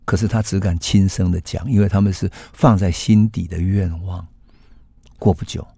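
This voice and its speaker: A man, hosting a historical storytelling podcast in an unhurried, reflective way. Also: deep voice, fairly even intonation, vocal fry, dark tone, slightly rough, dry recording, clean studio sound. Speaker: host and storyteller.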